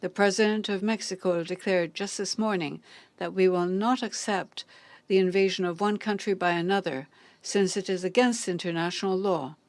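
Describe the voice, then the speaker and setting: A woman simultaneously interpreting formal diplomatic speeches, measured and deliberate, pausing on hesitant fillers. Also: fairly low pitch, fairly even intonation, no echo. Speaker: conference interpreter.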